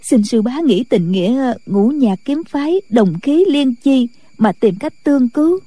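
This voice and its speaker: A woman's voice: high-pitched, expressive, measured pace, warm tone, no room sound. A woman voicing a respectful, worried nun disciple in an audiobook. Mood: anxious. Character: anxious, dutiful nun disciple. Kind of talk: audiobook character voice.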